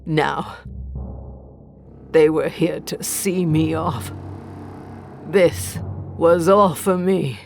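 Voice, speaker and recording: A condemned witch in a horror audio drama, gloating and vengeful. She tells her tale very slowly and theatrically, with brooding weight, over prominent music. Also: low-pitched, creaky, darkish tone, exaggerated voice. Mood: bitter reverence. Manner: slow, theatrical, brooding storytelling.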